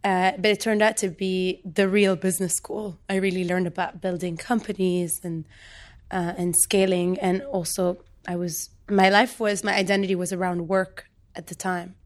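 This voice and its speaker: A woman from Lebanon in her thirties talks about her life as a guest in an interview. She is soft-spoken and thoughtful, often stopping on small fillers as she gathers her words. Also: lowish voice, little pitch movement, normal speed. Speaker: poet and guest. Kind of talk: reflective interview talk.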